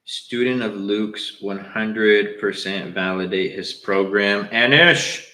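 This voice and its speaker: A young man with a Southern Californian accent chats loosely and slangily, answering viewers on a live stream. His voice sits a little low. The room around him rings with echo. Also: slow, bright, forceful tone. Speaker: livestream host. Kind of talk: casual livestream chat.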